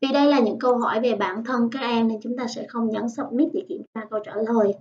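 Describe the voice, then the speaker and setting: A woman teaching English in an online lesson, patiently explaining and modelling phrases slowly. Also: fairly high pitch, steady tone, darkish tone. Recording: dull, slightly distant lo-fi sound.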